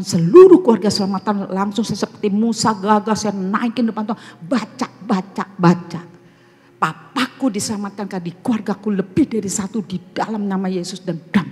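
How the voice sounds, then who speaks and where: A woman pastor giving an emotional sermon testimony, swinging between hushed and impassioned. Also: medium pitch, in a large hall.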